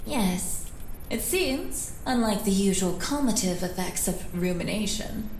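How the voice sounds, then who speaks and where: An actress playing a clinical, condescending scientist with erudite, darkly amused delivery in an audio drama. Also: female voice, medium pitch, animated, measured pace, darkish tone. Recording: roomy echo, faint noise.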